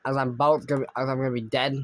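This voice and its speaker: A young man talks over his own gameplay in a loose, rambling way. He trails off, restarts, and thinks out loud as he plays. His pitch sits in the ordinary middle range for a man. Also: level tone, racing. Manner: rambling, thinks aloud, trails off mid-sentence. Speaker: gaming streamer. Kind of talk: casual gameplay commentary.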